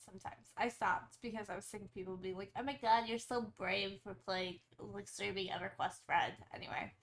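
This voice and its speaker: A woman chatting casually as a podcast co-host, brash and animated, swearing freely. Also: mid-range voice, moderate pace, vocal fry, a little hiss or hum. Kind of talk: casual chat. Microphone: headset.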